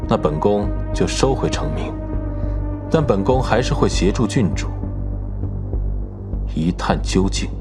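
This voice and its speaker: An actor playing a commanding young crown prince in a period drama, calm and authoritative, with soundtrack music behind. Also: male voice, on the low side, unhurried, pauses often. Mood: composed.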